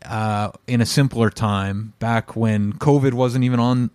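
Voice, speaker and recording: A man's voice: medium pitch, fairly even intonation, measured pace, darkish tone, clear, resonant tone, dry recording. A man speaking as a podcast co-host. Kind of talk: podcast hosting, sponsor reads and chat.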